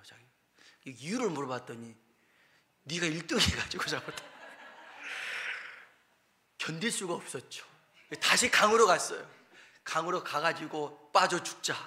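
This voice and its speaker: A man preaches a Sunday sermon as a story, and his voice is bright and slightly high-pitched. He drops to near-whispers, then rises to loud emphasis, with chatty conversational asides along the way. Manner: conversational with asides and self-corrections. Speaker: pastor.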